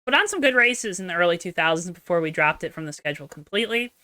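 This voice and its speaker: A woman's voice: on the low side, lively intonation, quick pace, pushed and bright, dry recording. A young adult woman co-hosting a podcast, chatting casually in a chatty, self-deprecating, joking way. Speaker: podcast co-host. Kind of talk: casual chat.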